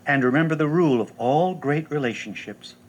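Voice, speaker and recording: A kindly mentor in an audio drama, offering gentle advice. His voice is husky and a little high, with lively rises and falls. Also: brisk. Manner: gentle, advising.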